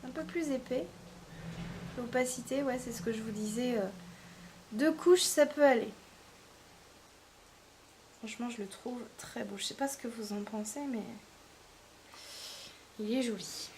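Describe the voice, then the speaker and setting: A high-pitched woman talks through a casual beauty review. She speaks in a chatty, hesitant way, full of fillers and small restarts, with faint room ambience behind her. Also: a little slow, long pauses, darkish tone, slight background noise. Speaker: beauty vlogger.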